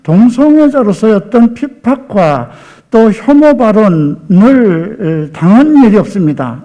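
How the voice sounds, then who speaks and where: A man's voice: high voice, mellow. Emphatic older man in his seventies. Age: 70s. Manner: earnest, emphatic, with frequent pauses and fillers. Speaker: pastor and debate panelist. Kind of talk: formal debate statement. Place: debate forum room.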